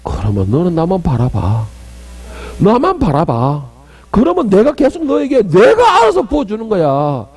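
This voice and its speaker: A man's voice: high-pitched, huge pitch swings, normal speed, darkish tone, husky, full character voice. A man voicing God as a fond, fatherly male figure who coddles and reassures. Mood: reassuring. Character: doting fatherly male God, tender and generous.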